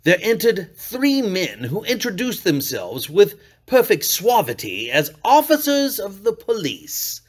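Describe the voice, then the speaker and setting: A man performing a dramatic storybook reading as an unhinged murderer, theatrical, sliding from hushed purring to shrieks. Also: sits high, wildly swooping pitch, a little slow, hardly any pauses, heavily acted. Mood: sly, gloating. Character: unhinged male murderer, gloating and paranoid, classic villain. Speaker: reader.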